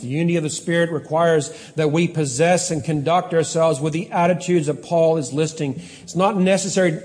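A middle-aged man from Canada preaching a sermon as pastor, earnest, reading scripture slowly and with emphasis, sometimes correcting himself. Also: a little high, darkish tone. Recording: long hall reverb.

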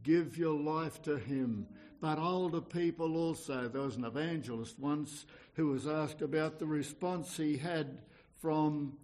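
A man's voice: a little high, a little slow, darkish tone. A man preaching an evangelical sermon in an earnest, exhorting manner, often repeating phrases and posing questions.

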